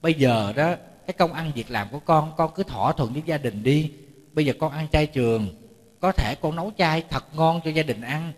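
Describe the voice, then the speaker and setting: This monk's voice is a little high and his delivery brisk as he tells stories in a chatty Buddhist sermon. He repeats words often and jokes with the crowd, his voice echoing through a temple lecture hall.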